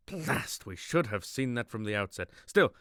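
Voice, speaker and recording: Middle-aged inventor father, male actor, gruff yet fond, animated delivery, dry studio sound, fantasy audio drama. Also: lowish voice, moderate pace, no echo. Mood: brisk, frustrated. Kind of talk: fan audio drama acting.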